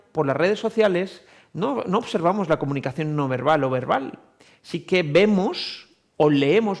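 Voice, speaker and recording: Male psychologist guest, TV interview, slightly high voice, patient explainer, leans on "eh" fillers. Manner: explains calmly with examples, frequent filler "eh".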